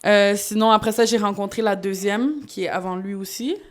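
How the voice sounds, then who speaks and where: A woman's voice: medium pitch, normal speed. Woman recounting a relationship candidly. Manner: candid storytelling, laughs often. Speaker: podcast guest. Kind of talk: casual live podcast chat. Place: studio. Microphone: podcast microphone.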